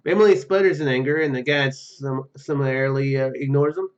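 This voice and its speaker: A man's voice: medium pitch, steady tone, a little fast, lo-fi sound. A man hosting a gaming video, reading game narration aloud with casual commentary and stumbling over words as he goes. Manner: stumbles and self-corrects while reading.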